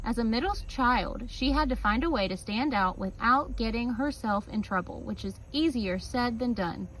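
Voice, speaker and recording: A woman reading a picture book aloud like a teacher, with casual asides and expressive, drawn-out emphasis on key words. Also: on the high side, slight background noise, poor audio. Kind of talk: children's story read-aloud with casual asides.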